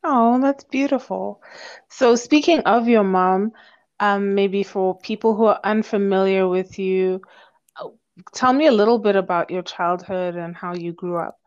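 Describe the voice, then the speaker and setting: A woman's voice: mid-range voice, unhurried, darkish tone, smooth, dull audio. A woman interviewer asking casual questions in a chatty, encouraging way.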